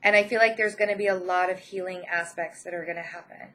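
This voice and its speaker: A woman with a head cold gives an informal spiritual card reading to her viewers as channel host, speaking gently and encouragingly with hesitant pauses mid-phrase. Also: fairly low pitch, fairly even intonation.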